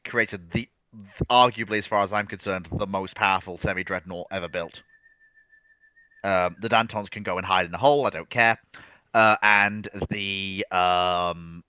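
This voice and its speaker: A man's voice: sits low, pushed and bright, clear, resonant tone, no room sound. A man co-hosting an unscripted question-and-answer chat, opinionated and emphatic, thinking aloud and correcting himself as he goes. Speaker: co-host of a naval history livestream.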